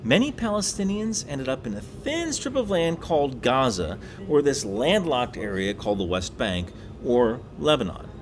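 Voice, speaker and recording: Lively, wry man explaining. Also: medium pitch, normal speed, hardly any pauses, a little hiss or hum. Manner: lively, wry asides, emphatic. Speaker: YouTube explainer host. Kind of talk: casual explainer monologue. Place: away from home on a work trip. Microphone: laptop.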